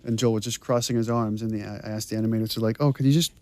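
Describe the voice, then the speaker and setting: A man's voice: lowish voice, steady tone, very fast, darkish tone. A man, the game's director, chatting enthusiastically over cutscenes in a commentary. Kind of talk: developer commentary.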